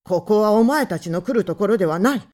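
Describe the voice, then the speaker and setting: A woman voicing a cornered male writer who blusters loudly while his voice trembles. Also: medium pitch, expressive, a little fast, close to an everyday voice. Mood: blustering.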